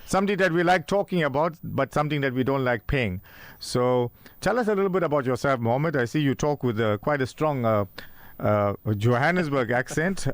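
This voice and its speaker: A man's voice: mid-range voice, no echo. A man from South Africa hosting a radio interview in a studio, talking casually with many fillers and restarts. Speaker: radio show host.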